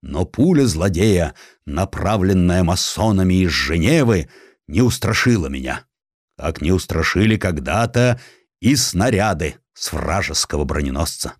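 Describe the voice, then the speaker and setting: Man playing a pompous low-voiced provincial governor. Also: lively intonation, unhurried, breathy edge, dry recording, clean studio sound, full character voice. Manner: grandiose, solemn oratory. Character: pompous self-glorifying provincial governor, male, making a speech.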